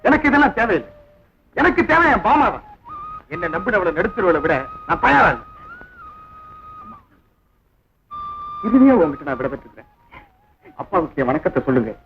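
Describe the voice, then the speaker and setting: An actor playing a defiant young heir who gives up wealth for love, speaking in an impassioned, declaiming way in an old film. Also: male voice, a little high, big pitch swings, normal speed, long pauses, fairly bright tone, a little hiss or hum. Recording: dull old film soundtrack with music.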